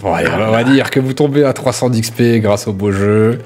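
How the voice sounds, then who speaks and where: Low-voiced man running a tabletop game. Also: a little fast, a crowd in the background. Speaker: game master and channel host. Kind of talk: relaxed tabletop role-play game mastering. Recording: music behind. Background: music.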